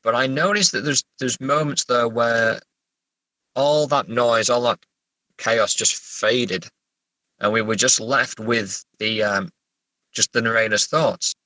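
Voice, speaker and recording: Man, bright forward voice, dry close sound, writer guest, casual interview, hesitant, reflective. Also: medium pitch, fairly even intonation, no echo, rough recording. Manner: hesitant, halting, repeats words as he thinks.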